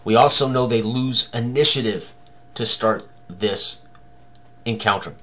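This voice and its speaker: A man in his sixties walking through tabletop game combat rules as a tutorial, halting and thinking aloud as he works. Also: mid-range voice, fairly bright tone.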